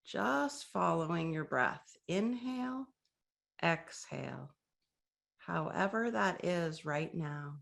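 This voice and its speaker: A woman leads a breathing meditation in a soft, gently inviting voice. She speaks very slowly, leaving long pauses between phrases. Her voice sits a little low and has a noticeable gravelly fry. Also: lively intonation. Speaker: meditation guide. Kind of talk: guided meditation.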